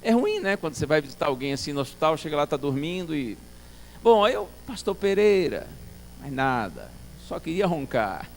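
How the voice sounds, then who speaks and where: A male pastor preaching a sermon as a story, acting out dialogue and swinging from soft to loud. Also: a little high, big pitch swings, brisk, a little hiss or hum.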